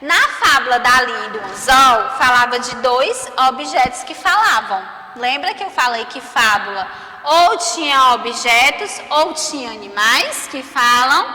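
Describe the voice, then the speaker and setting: High-voiced Brazilian teacher, slow and echoey. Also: female voice, animated, pushed and bright. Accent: Brazilian Portuguese. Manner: stretches and stresses syllables, asks many tag questions. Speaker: primary school teacher. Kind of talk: remote class lesson for children. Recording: roomy echo, long reverb.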